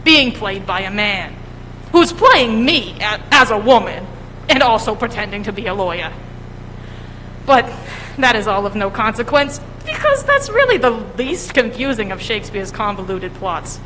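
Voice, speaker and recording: An actress playing a brisk legal-aid pitchwoman in a mock TV commercial, delivered in an upbeat sales tone on a school auditorium stage. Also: big pitch swings, bright, forceful tone. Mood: salesy. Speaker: stage actor. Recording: echoey auditorium, faint noise.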